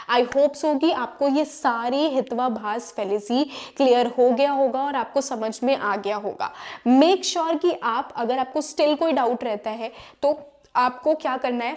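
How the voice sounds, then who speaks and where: Young female tutor, high voice, quizzes her class with questions as she explains. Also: a little mellow. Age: young adult. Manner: explains with rhetorical questions, mixes in English terms. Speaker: teacher. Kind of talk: exam-prep lecture.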